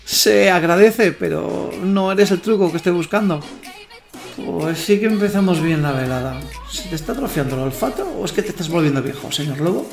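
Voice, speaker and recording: A man's voice: high voice, expressive, moderate pace, gravelly. An actor playing a cocky, lustful young man in a werewolf costume, narrating his night in slangy, self-mocking audio fiction. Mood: deflated, self-mocking. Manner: slangy, boastful, talks to himself. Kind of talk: first-person audio fiction narration with dialogue. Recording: roomy echo, faint music behind.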